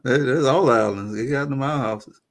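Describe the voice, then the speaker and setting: A man at an ordinary middle pitch keeps prodding with short, playful questions. He talks in a loose podcast chat among friends. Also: normal speed, gravelly. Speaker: podcast co-host. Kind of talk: casual group chat.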